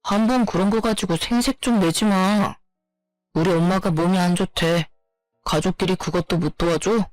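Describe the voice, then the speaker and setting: Brief: an offhand, dismissive husband, as a woman puts him on with a lowered voice, faint music underneath. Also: fairly even intonation, normal speed, darkish tone, no room sound, natural voice. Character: selfish, dismissive young husband. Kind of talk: storytelling narration.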